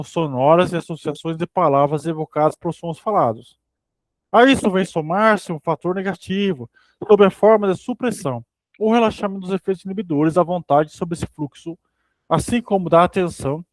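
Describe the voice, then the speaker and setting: A man reads a dense book aloud for a study group. His voice sits fairly high, and he keeps a steady pace but sometimes trips and goes back over a phrase. The recording is dry and close, with no room sound. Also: dry recording. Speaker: reader in a philosophy study group.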